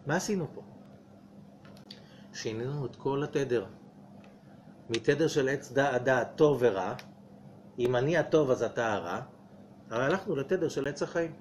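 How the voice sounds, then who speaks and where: A man's voice: on the high side, darkish tone, a little hiss or hum. A man, a rabbi giving a weekly Torah portion lecture. He asks the audience rhetorical questions and acts out little dialogues. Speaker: rabbi teaching Kabbalah.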